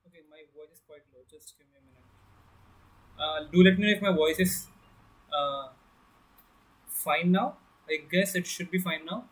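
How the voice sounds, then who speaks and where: A man's voice: high voice, normal speed, long pauses, poor audio. A young man teaching an online bootcamp on a live stream, casually checking in with viewers and using many fillers while his camera is off. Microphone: computer mic on a live video stream, camera off.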